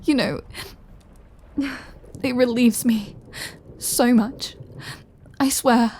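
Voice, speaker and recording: A woman playing a lonely, tender immortal vampire lover in an intimate audio roleplay, her voice breathy and often half-whispered, with an emotional delivery. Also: fairly high pitch, fairly even intonation. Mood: tearful relief. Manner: slow, hushed, emotional delivery with long pauses.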